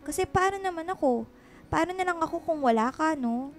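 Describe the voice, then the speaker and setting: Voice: very high-pitched, animated, a little fast. A performer voicing a flamboyant, witty gay best friend in a radio drama, with sassy, dramatic, slangy banter. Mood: earnest, comforting.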